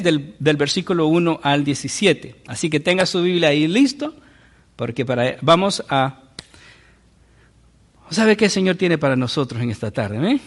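High-voiced pastor preaching. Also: male voice. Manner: teaching, with rhetorical questions. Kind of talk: sermon.

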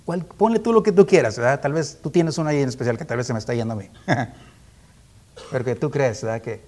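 With a mid-range, slightly mellow voice at a fast clip, this preacher teaches the Bible conversationally. He keeps throwing out rhetorical questions, checks in constantly with tag questions, and chuckles frequently.

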